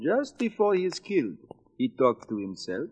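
An actor playing a shifty foreign handyman turned blackmailer, speaking halting broken English, in 1940s radio acting on an old radio show recording. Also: a little high, huge pitch swings, darkish tone, husky, heavily acted. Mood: menacing. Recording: dull old broadcast with long reverb.

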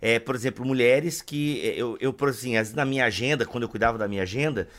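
A man's voice: mid-range voice, fast, fairly bright tone. A man from Brazil co-hosting a podcast in a slangy, rambling casual chat. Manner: slangy, rambling, says "mano" a lot. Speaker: podcast co-host.

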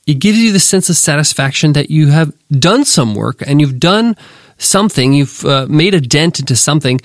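Man, nasal, congested from a cold, fairly high voice, dry close sound, upbeat podcast host. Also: lively intonation, normal speed, dry recording. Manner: upbeat, motivational, direct to listeners. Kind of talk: solo business podcast lesson.

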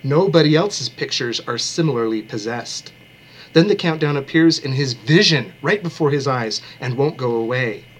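A man's voice: medium pitch, a little hiss or hum. A man co-hosting a book podcast, reading a plot summary with dry, joking delivery. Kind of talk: casual book podcast chat and read summary.

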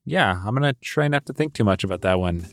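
A man's voice: fairly low pitch, lively intonation, fast, soft background music. A man playing a wry multiverse traveller who muses aloud in a comedic audio drama.

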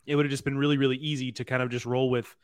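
Brief: male panelist, mid-pitched, repeats himself for emphasis, dry recording. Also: little pitch movement, rapid-fire, smooth, dry recording. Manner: repetitive, doubles words for emphasis. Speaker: college baseball podcast panelist. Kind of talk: casual sports podcast talk.

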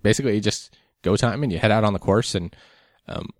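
Deep-voiced guy, kinda hoarse, rambly podcast chat, dry sound. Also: a little fast, no echo. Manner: rambling, laid-back, lots of ums. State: losing his voice. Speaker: podcast co-host. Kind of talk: casual chat recapping a race.

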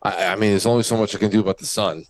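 A man co-hosting a casual live chat, halting and repeating words as he gets going. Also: lowish voice, fairly even intonation, dry recording. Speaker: talk show co-host.

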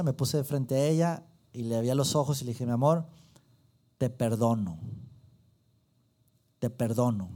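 Man, Mexican accent, preacher, sermon, emphatic, repeats words, fairly high voice. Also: dark tone. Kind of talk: sermon with personal story.

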